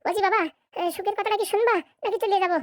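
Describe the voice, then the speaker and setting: A woman's voice: extremely high pitch, steady tone, quick pace, dry recording, clean studio sound. A woman voicing an eager, deferential young village son in a comedy cartoon, with stammering starts. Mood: hesitant, eager.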